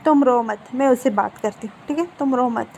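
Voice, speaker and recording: A woman's voice: a little high, a little fast, gravelly, a little mellow, slight background noise. A woman voicing a protective middle-aged mother who reassures her child in a soothing way, in a narrated story.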